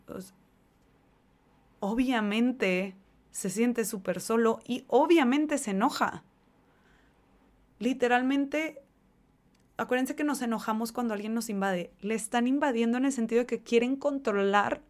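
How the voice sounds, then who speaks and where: A woman's voice: fairly high pitch, a little slow, pauses often. A woman hosting a podcast, talking earnestly and conversationally about emotions, with many casual fillers. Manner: earnest, animated, conversational with fillers like "o sea" and "como que". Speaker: podcast host.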